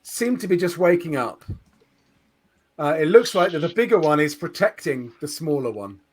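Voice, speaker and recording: A man's voice: fairly high pitch, big pitch swings, moderate pace. A man running a tabletop horror game as game master, describing scenes with fillers and restarts.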